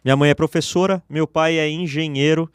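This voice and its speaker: A man's voice: a little high, brisk, smooth, no echo. Man in his forties, dry studio. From Brazil. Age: 40s. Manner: relaxed, personal, with restarts and fillers. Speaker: guest, entrepreneur. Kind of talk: interview storytelling. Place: radio studio.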